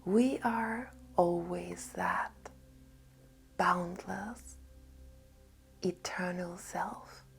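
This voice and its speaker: A woman giving a gentle spiritual talk in a soft, half-whispered, calm voice. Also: fairly low pitch, gravelly. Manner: calm and unhurried. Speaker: spiritual teacher.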